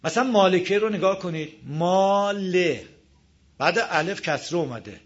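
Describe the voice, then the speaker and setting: A man's voice: high voice, expressive. A man teaching a recitation class, patiently repeating each rule and modelling the pronunciations aloud. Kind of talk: live class lecture on tajweed. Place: classroom with a board. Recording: dull lo-fi classroom recording.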